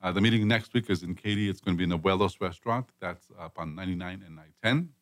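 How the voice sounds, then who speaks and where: A man's voice: low voice, quick pace, no room sound, clean studio sound. A man hosting a casual conversational podcast, chatty and emphatic, often repeating himself for effect. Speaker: host and business chamber leader.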